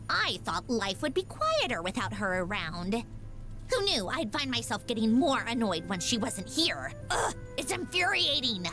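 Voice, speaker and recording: A woman's voice: on the high side, bright, forceful tone, heavily acted. An actress playing a proud young woman inventor in a video game, haughty and sardonic yet composed. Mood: annoyed, envious. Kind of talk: video game character voice lines. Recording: background music.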